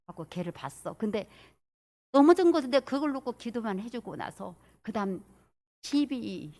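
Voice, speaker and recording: Lively middle-aged woman pastor preaching. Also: on the high side, normal speed. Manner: lively storytelling, acting out church members' voices. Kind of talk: sermon. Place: church sanctuary.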